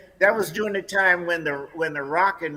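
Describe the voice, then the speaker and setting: A man's high-pitched voice in an American accent, with noticeable background noise. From Chicago, US Midwest. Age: 80s+. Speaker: retired singer and songwriter. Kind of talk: interview, telling life stories. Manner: halting, repeats words.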